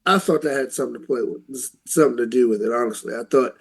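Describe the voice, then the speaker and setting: A man's voice: mid-range voice, quick pace, gravelly, slightly rough. A man co-hosting a casual talk show, giving informal opinions and rephrasing as he goes.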